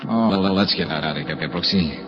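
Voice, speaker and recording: An actor playing a wry, self-assured private detective with a dry, teasing manner, in 1940s radio drama style. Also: male voice, sits low, a little fast, natural voice. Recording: dull lo-fi old radio recording with music.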